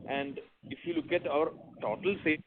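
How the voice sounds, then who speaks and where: A man's voice: a little high, fairly quick, a little hiss or hum. A man with an Indian accent speaking as a company executive, answering investor questions on an earnings conference call. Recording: narrow phone-like conference line.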